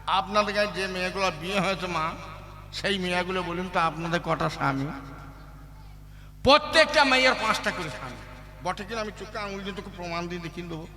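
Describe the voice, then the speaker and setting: A man's voice: high-pitched, fast. A man performing kobigaan, a folk poet-singer who moves between sung verses and spoken argument, putting questions straight to the audience. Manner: declaiming, swinging between sung lines and argument to the crowd. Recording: echoey hall, music behind.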